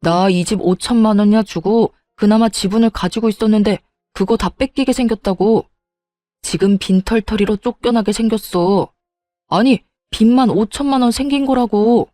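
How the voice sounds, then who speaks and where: A woman's voice: medium pitch, moderate pace, mellow, dry recording, soft background music, natural voice. A woman voicing a hot-headed grown son who whines and blames his mother in a storybook reading. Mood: exasperated. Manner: whiny, exasperated.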